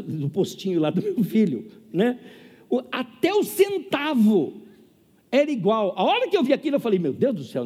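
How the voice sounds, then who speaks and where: A high, animated man preaches a sermon, acting out the voices in his stories. His tone is warm and a little husky, and long reverb carries it through a hall. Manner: animated, acts out quoted voices. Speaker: pastor. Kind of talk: sermon with storytelling.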